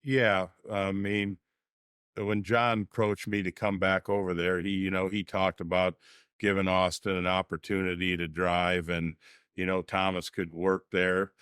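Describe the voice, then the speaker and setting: A middle-aged man, a racing crew chief, answering interview questions in a halting, matter-of-fact way with many fillers. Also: low voice, level tone, fairly bright tone, smooth, no room sound, studio quality.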